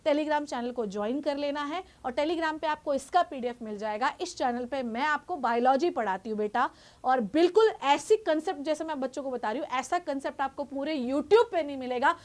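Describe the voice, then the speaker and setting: Woman, high voice, biology educator, direct, reassuring, mixes English terms. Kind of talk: exam guidance talk to students.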